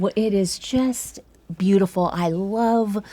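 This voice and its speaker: A soft-spoken voice with a dark, mellow tone and lively intonation comes through on a very clean recording with a silent background. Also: woman. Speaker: radio host. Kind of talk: interview. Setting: planetarium dome.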